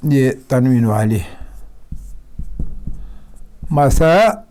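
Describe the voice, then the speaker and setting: A man teaching a class on Quran recitation, patiently repeating example words slowly and checking that students follow. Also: mid-range voice, very animated, a little mellow. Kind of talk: classroom lesson.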